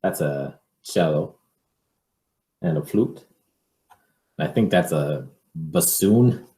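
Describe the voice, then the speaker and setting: A man reading a picture book aloud to children in an expressive, measured way, with informal asides. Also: very deep voice, roomy sound.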